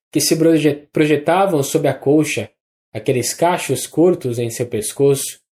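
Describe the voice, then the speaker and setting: An audiobook narrator with a Brazilian Portuguese accent, reading a classic novel in a measured, even way. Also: mid-range voice. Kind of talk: scripted literary narration.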